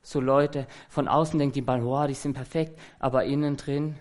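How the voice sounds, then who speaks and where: A man's voice: medium pitch, fairly even intonation, normal speed. A man preaching an earnest, conversational sermon that he fills with rhetorical questions.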